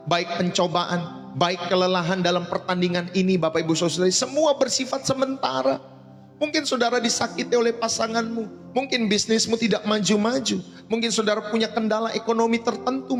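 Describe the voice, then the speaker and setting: A male pastor preaching a sermon in a blunt, colloquial way, often calling out to the congregation. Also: high voice. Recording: long reverb with faint music behind.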